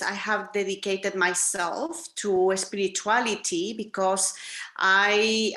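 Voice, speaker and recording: A woman from Chile in her forties talks slowly and modestly as an interview guest. Her voice is bright and clear, and it carries a roomy echo. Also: medium pitch. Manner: unhurried, modest, laughs softly. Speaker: guest, teacher and author. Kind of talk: casual interview chat.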